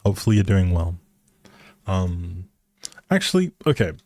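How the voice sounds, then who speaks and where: A man's voice: low-pitched, very animated, normal speed, warm tone, no echo. A man livestreaming a game with casual, playful, teasing chat to his viewers.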